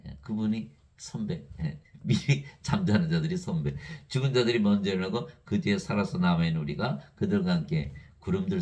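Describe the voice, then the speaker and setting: A man preaching a sermon in an emphatic, lively way, reading scripture aloud and laughing between points. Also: low voice.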